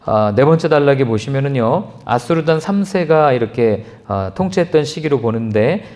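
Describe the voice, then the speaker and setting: A man, a pastor giving an animated Bible lecture, acting out quoted lines in changing voices. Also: normal speed. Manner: lively, acts out quoted lines with shifting pitch. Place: church.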